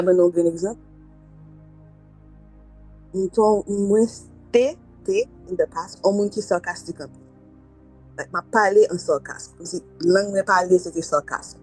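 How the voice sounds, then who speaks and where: A woman's voice: fairly low pitch, darkish tone, slightly rough, poor audio. A woman giving an informal, conversational sermon as a prayer leader. She switches between languages, laughs often and acts out quoted exchanges. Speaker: preacher leading midday prayer. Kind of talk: informal sermon, mixing Creole, French and English.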